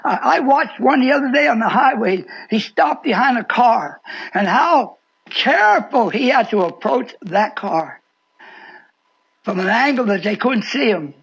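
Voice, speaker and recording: High, fiery preacher man on shortwave. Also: expressive, unhurried, creaky, fairly bright tone, slightly rough. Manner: fiery, sing-song preaching with sudden swoops and repeats. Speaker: radio preacher. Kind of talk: shortwave radio sermon. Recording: muffled shortwave radio broadcast.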